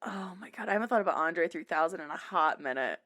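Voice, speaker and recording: A woman's voice: on the low side, quick pace. A woman co-hosting a podcast, chatting casually and laughing often as she tells stories. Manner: giggly, animated storyteller. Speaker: podcast co-host. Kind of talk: casual chat.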